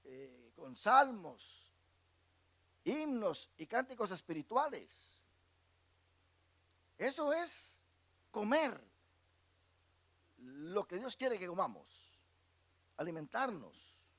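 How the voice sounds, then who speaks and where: A man's voice: sits high, sing-song, extremely slow, long pauses, fairly bright tone. A male pastor teaching a Bible class, reading verses aloud and asking the congregation questions for them to answer. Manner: asks the congregation questions and lets them fill in words; reads scripture verses aloud and explains them.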